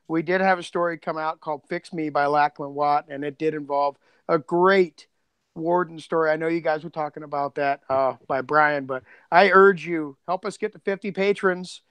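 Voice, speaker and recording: A man co-hosting a podcast, chatting casually in an animated, joking way. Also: fairly high pitch, moderate pace, smooth, dry recording. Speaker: podcast co-host and producer.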